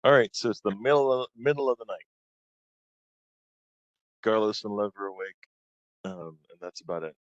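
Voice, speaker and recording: Man, game master, relaxed, ums, low voice. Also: normal speed, pauses often, no room sound, dull audio. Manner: relaxed, full of ums, laughs often. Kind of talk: running a tabletop game.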